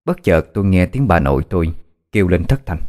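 A man reading a scripted horror story in a steady, somber way. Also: low voice, a little fast.

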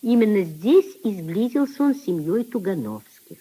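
A woman narrating a 1950s radio play in an expressive, declamatory reading style. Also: medium pitch, moderate pace, noisy background.

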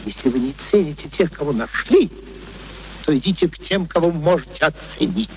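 A man acting an arrogant scholar, high-pitched, scornful. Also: lively intonation, normal speed, close to an everyday voice, poor audio. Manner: scornful, declamatory, argumentative. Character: arrogant, self-absorbed male scholar, cutting and exasperated. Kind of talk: Soviet radio play acting. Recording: old radio play recording, faint noise.

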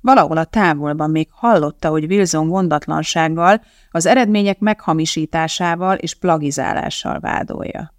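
An audiobook narrator reading a novel in a steady, measured storytelling manner. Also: medium pitch, no echo, studio quality.

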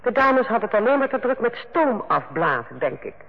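High, husky, stern head nurse. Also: female voice, sing-song, a little fast. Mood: mocking. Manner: biting, lecturing, sarcastic. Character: stern, sarcastic head nurse, an older authoritative woman. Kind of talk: Dutch radio play acting. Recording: muffled old radio play recording.

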